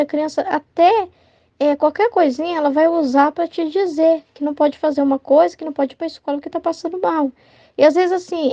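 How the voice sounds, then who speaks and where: A Brazilian woman who teaches religious study and tutors children leads an informal devotional study, chatty and acting out everyday dialogue. She speaks with a Brazilian Portuguese accent, tags sentences with "né?", and her high, warm voice comes through dry and dull with no echo, lo-fi.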